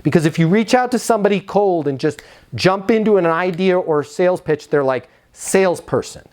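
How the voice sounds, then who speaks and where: A man's voice: high-pitched, animated, moderate pace, a little mellow. An American man coaching on sales in a conversational, instructive way, slipping into acted-out example dialogue.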